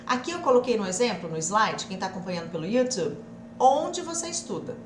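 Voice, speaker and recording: A young woman with a Brazilian Portuguese accent giving a live online English lesson, energetic and teacherly, slowing down to drill example phrases and urging viewers to speak up. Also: mid-range voice. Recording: echoey room, faint background noise.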